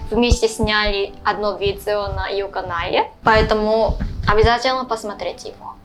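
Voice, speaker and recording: A woman's voice: mid-range voice, fairly even intonation, normal speed, over music. A woman in her twenties with a Korean accent, a native Korean speaker, hosting a casual vlog interview. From South Korea. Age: 20s. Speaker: host.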